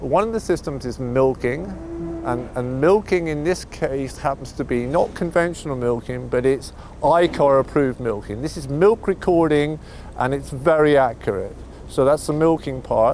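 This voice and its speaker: Music plays in the background as a man talks at a moderate pace with ordinary pitch variation, in a dry sound with no echo. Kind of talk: interview answer. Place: street. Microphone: lapel.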